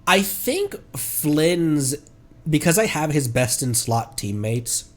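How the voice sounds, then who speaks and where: A man with a stuffed-up nose giving casual, rambling commentary as a livestreamer, often halting and correcting himself. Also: a little high, very animated, faint music behind. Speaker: livestreamer, VTuber. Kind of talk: casual game stream commentary.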